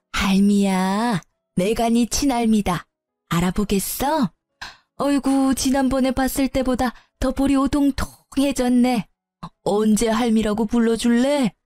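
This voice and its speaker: A woman's voice: fairly high pitch, dark tone, no echo, lightly acted. A woman doing a doting old mother-in-law. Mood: cooing. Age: older. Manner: cooing, fond, apologetic.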